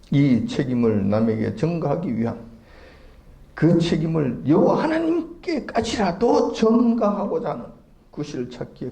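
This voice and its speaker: A man preaching a sermon, emphatic and fond of rhetorical questions that swing up in pitch. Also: creaky, dark tone, roomy sound, low-quality recording.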